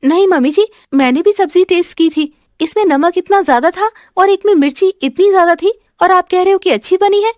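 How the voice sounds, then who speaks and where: A woman's voice: very high-pitched, fairly quick, few pauses, a little mellow, no echo, pitched above the performer's own voice. A woman voicing a jealous, scheming young daughter-in-law who answers back shrilly and defensively. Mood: protesting.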